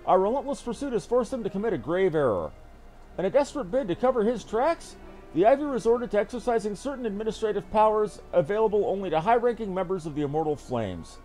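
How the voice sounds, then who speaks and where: A man's voice: sits high, very animated, fast talker, darkish tone, low-quality recording. A man voicing a dutiful military captain who reports in formal, archaic words. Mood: formal, reporting. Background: game music.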